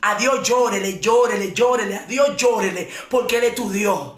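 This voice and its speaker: Woman preaching loud and fiery, repeats herself a lot, roomy echo. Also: medium pitch, moderate pace. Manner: impassioned, shouting preaching with repetitions. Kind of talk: fiery sermon.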